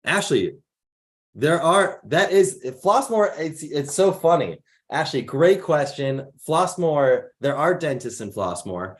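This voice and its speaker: Speaking slowly with a fairly high voice and big swings in pitch, this young man from the Chicago area runs a casual online mentor workshop he founded. His voice is raspy from allergies, and he chats away as he reads attendees' names and where they're from.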